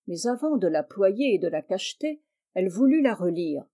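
A woman narrating a classic children's novel as an audiobook, clear and measured. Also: medium pitch, sing-song, warm tone. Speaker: audiobook reader.

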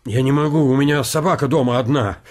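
An actor playing a timid, flustered, cultured hypnotist, polite and hesitant, in a radio comedy play. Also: male voice, mid-range voice, fast talker, a little mellow, close to an everyday voice. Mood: timid, evasive. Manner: hesitant, stammering, apologetic.

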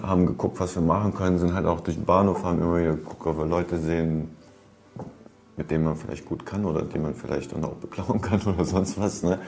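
Deep gravelly man telling street stories. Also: a little mellow. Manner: rambling, street slang, frequent fillers. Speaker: storyteller recounting past. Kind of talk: casual spoken storytelling.

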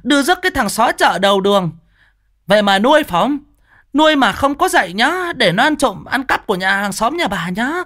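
A man voicing a foul-mouthed village woman who hurls shrill, rapid curses at her neighbors. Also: big pitch swings, sharp tone, heavily acted. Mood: furious. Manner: screeching, rapid cursing rant.

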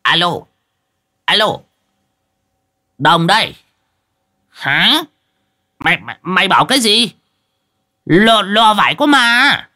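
A sly, boastful old spirit medium, as a man puts him on, cackling and stretching his words, his pitch climbing high. The voice is husky and the sound dry. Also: very animated, slow pace, pushed and bright, no echo, full character voice. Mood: panicked. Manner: cackling, teasing, drawn out.

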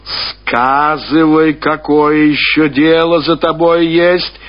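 A man's voice: fairly high pitch, little pitch movement, takes it slowly, pitched above the performer's own voice. A man voicing an imperious, short-tempered old landowner woman who barks suspicious questions and orders in a radio literary reading. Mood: commanding, angry. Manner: commanding, abrupt, interrogating. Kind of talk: dramatic reading of classic literature. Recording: dull archive radio recording.

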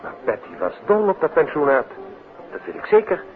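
Animated formal gentleman, old radio. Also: fairly high pitch, moderate pace, narrow, tinny audio. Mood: shocked, concerned. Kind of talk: 1950s Dutch radio drama acting. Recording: thin old radio, crowd murmur behind.

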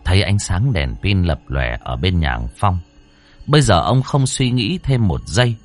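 A man's voice: deep voice, sing-song, moderate pace, faint music behind. Man telling a suspenseful story. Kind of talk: audiobook narration.

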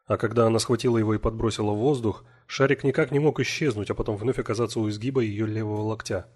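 A man narrating an audiobook in a measured, even reading. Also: fairly low pitch, husky. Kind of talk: scripted narration.

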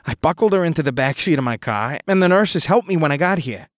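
A man's voice: fairly high pitch, animated, fast talker, dry recording, clean studio sound, pitched above the performer's own voice, close to an everyday voice. A man voicing an anxious young man who stammers and pleads nervously. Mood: worried. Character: anxious young man, worried rattled roommate.

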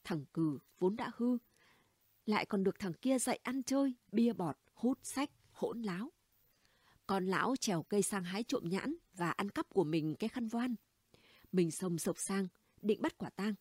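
A brash, gossipy middle-aged neighbor woman, voiced by a female reader spills stories in a chatty, conspiratorial audiobook voice. The tone is warm and mellow with a soft breathy edge. The recording is dry and close. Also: medium pitch, expressive, normal speed, dry recording. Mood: gossiping. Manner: chatty, blunt, conspiratorial storytelling. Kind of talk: audiobook character dialogue.

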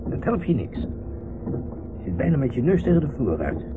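An actor playing a stubborn, grumbling husband at the wheel who insists he is calm, in a Dutch radio play. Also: on the high side, moderate pace. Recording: muffled, noisy old radio recording.

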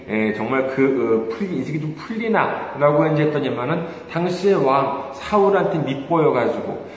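A male pastor delivers a sermon in a lively, rising and falling voice, keeping it conversational with rhetorical questions and hesitant fillers. The sound is very echoey, with a long hall reverb and faint room noise behind. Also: mid-range voice. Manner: hesitant with many fillers, chuckles while telling stories.

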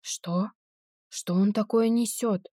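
A woman voicing an elderly gentleman who is quick to anger and indignant, often crying out in an audiobook. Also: medium pitch, steady tone, dry recording, studio quality. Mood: outraged. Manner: shouting, indignant.

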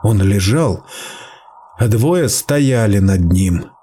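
A man reading a story aloud in steady, measured scripted narration. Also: on the low side, a little hiss or hum. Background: faint music.

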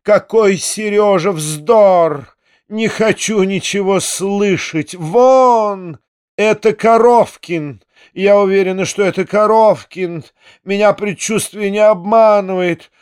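Audiobook: male reader as a hysterical old noblewoman, high, shrill, commanding. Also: clean tone. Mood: hysterical, furious. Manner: shrill, drawn-out shouting. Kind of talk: audiobook character voice.

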